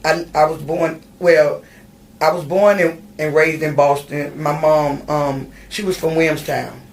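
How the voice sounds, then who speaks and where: A middle-aged woman from Virginia, USA, guests on a podcast in a studio, telling the story of her life with plenty of ums and restarts. Her voice is deep and steady, and she speaks without hurrying in this personal interview storytelling.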